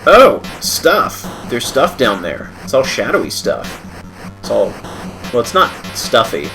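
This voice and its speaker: A man hosts a game livestream, sounding a little stuffy as he gets over a cold. His commentary is wry and thought-out-loud, full of self-corrections, with a lively, bouncing pitch. Game music plays clearly behind him. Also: measured pace. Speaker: livestream host playing a game. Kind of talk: let's-play commentary.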